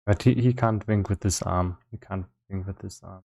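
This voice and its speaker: A man giving casual live-stream commentary as he works on a game, thinking aloud in a halting way with repeated words. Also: sits low, fairly even intonation, creaky, warm tone. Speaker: solo game developer streaming.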